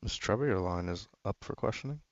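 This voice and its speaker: A man's voice: on the low side, expressive, quick pace, no echo. A man working as a conference call operator, formally and politely introducing callers from a script. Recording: dull, dry conference line.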